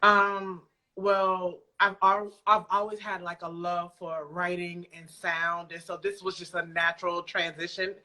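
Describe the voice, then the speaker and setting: A woman speaking as an interview guest on a remote call, informal and reflective, often halting as she works out her answers. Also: lowish voice, flat delivery, bright, forceful tone. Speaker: guest, audio drama creator. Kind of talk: casual interview chat. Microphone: remote video call.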